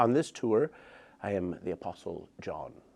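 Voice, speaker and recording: A man with an American accent and an unremarkable speaking voice, medium in pitch, at a fairly slow pace with ordinary pitch variation. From US South, Charleston, South Carolina. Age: 50s. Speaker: stage actor and former pastor. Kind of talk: casual interview.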